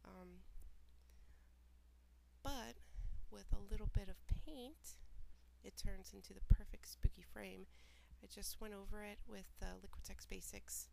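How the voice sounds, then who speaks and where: Stuffy nasal lady talking through her art project, kinda gravelly, pretty flat delivery, little bit of hiss behind. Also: medium pitch. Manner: relaxed, plain step-by-step explaining with small asides. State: congested and nasal from a cold. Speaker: mixed media artist. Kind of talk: craft tutorial voiceover. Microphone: home voiceover recording.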